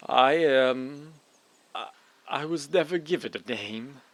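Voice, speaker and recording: An actor playing a dazed, solemn king newly freed from a curse, halting and grandiose, in a fairy-tale audio drama. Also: medium pitch, no room sound.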